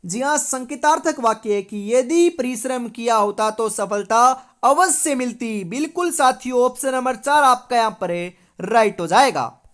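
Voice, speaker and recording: Woman, teacher, from India, exam-prep quiz lesson, reads options aloud, repeated confirming phrases, fairly high voice. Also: animated, normal speed.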